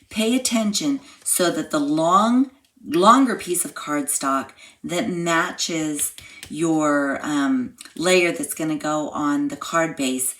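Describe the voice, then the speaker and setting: A woman with a slightly hoarse, froggy voice, chatting step by step through a live card-making class. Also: low voice. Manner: chatty step-by-step explaining while crafting. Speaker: craft class instructor. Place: home craft room.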